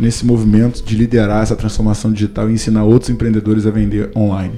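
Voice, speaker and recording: Through noticeable background noise, a man with a fairly low pitch talks at a very fast pace. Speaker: podcast host. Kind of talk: casual interview.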